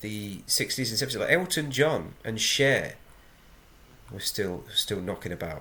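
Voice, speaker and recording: With a southern English accent, a man speaks at a fairly slow pace, his loudness swinging widely. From southern England. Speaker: podcast co-host. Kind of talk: casual chat. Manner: halting, repeats words.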